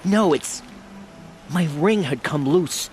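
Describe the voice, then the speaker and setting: A man playing a proud but nervous, superstitious tribal hunter in a video game, expressive and self-justifying. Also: a little high, slow pace, slight background noise. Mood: defensive. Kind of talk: video game dialogue acting.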